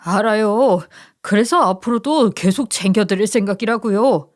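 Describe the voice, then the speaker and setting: A woman's voice: medium pitch, moderate pace, close to an everyday voice. Defensive young son-in-law, read by a woman: indignant, pleading, radio story.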